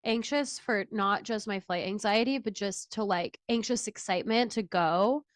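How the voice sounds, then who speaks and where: A woman's voice: medium pitch, normal speed, no echo, studio quality. A woman co-hosting a casual chat podcast, nasal and stuffed up from a cold, tired and chatty with frequent laughs and fillers. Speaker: podcast co-host.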